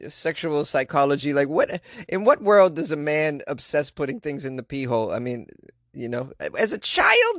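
Male comic host, slightly high voice, dry close sound, incredulous and mocking. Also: a bit bright, no echo. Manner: incredulous, mocking, frequent laughter. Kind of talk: comic commentary on news stories.

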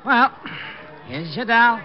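An actor playing a brisk, chatty carnival shooting-gallery attendant in a radio drama. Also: male voice, very high voice, lively intonation, heavily acted. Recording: dull lo-fi old radio transcription with music.

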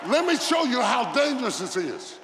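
A man's voice: extremely high pitch, very animated, moderate pace. A man preaching an emphatic sermon to a live congregation, repeating phrases for effect and calling for a response. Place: large indoor church service. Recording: noisy live hall with loud crowd. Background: congregation crowd noise.

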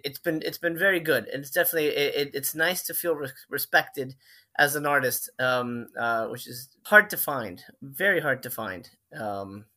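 A Miami man in his forties speaks at a medium pitch with a sharp edge. He's a filmmaker guest in a relaxed interview, spinning rambling stories and frequently correcting himself.

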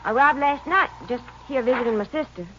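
A wary young American woman in a radio western, with a high voice. She answers evasively with feigned innocence. The old recording is muffled. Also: fast, fairly bright tone, slight background noise. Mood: uneasy, explaining. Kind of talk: 1950s radio acting.

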